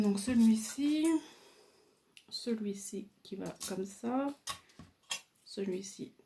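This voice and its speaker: A woman who hosts crafting videos casually shows off her craft supplies at home, recorded on a camera mic over a noisy background. Her voice is on the high side, and her chat is hesitant and full of fillers.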